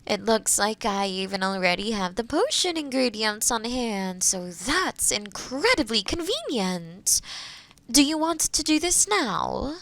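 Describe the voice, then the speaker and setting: A woman playing a kind forest witch in a roleplay audio drama, explaining things gently and thoughtfully to the listener. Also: on the high side, big pitch swings, a little slow, vocal fry, full character voice. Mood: eager, reassuring.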